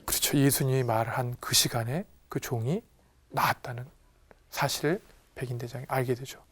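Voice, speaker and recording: A man, a Catholic priest, giving a lively retreat talk, acting out Gospel dialogue in different voices and quizzing his audience. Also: medium pitch, normal speed, breathy edge, dry recording. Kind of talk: lively spiritual lecture to an audience.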